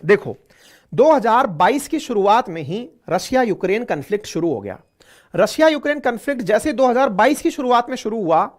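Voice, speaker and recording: A man teaching current affairs in a conversational lecture, repeating his points and speaking straight to the listeners. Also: very high voice. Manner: chatty, repeats points, addresses listeners directly.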